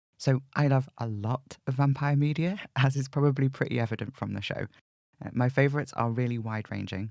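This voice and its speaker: Recorded very cleanly against a silent background, a man speaks at a medium pitch and fairly quick pace with ordinary pitch variation. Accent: British. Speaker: podcast creator. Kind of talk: Q&A monologue.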